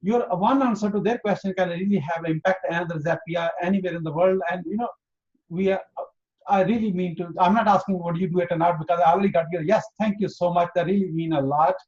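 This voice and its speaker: A man from Pakistan hosting an interview, speaking earnestly and emphatically and spelling out his points slowly. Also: high voice, a little mellow. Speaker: interview host. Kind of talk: motivational interview. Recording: dull lo-fi audio.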